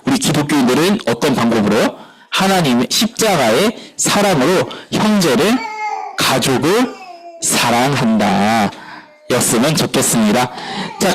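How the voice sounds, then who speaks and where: A man preaching a sermon as pastor at a church service, animated, asking the congregation questions and answering them himself. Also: on the high side, measured pace, poor audio.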